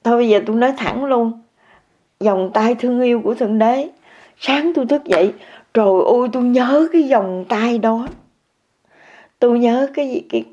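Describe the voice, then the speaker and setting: In a muffled lo-fi clip, an older woman with a slightly high, dark-toned voice shares a personal meditation experience. She is emphatic, repeats words again and again, and talks directly to viewers.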